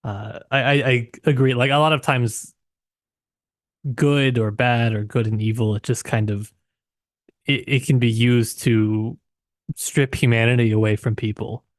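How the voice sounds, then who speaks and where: A man co-hosting a podcast, talking through literature casually in a reflective, halting way. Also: mid-range voice, steady tone, no echo, clean studio sound. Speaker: podcast co-host.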